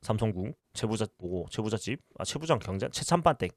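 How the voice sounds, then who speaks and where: A man's voice: lowish voice, expressive, fairly quick, no room sound, studio quality. A man from Busan with a Busan accent, chatting casually on a livestream and answering viewer comments. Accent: Busan Gyeongsang dialect with western Gyeongsang touches. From Busan, South Korea. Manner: talkative, reads out and answers chat questions, many fillers. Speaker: livestream host.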